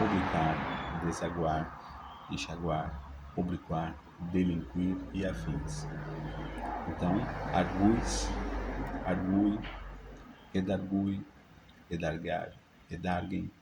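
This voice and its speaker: A man, teaching a grammar lesson by reading rules and dictating example words slowly and deliberately. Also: low voice, gravelly, background noise. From Brazil.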